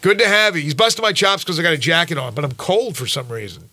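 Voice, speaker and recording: A man's voice: fairly high pitch, expressive, quick pace, pushed and bright, dry recording. A man hosting a sports radio morning show, chatty and upbeat, sounding a little stuffy from a cold. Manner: upbeat and chatty, reads ads and weather. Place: radio studio.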